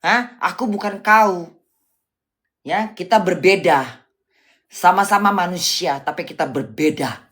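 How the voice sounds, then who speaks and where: A woman's voice: lowish voice, unhurried, pauses often, a bit bright. A woman rants on a livestream in a blunt, coarse, scolding way, throwing rhetorical questions at her viewers. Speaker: livestream host. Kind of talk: casual livestream rant.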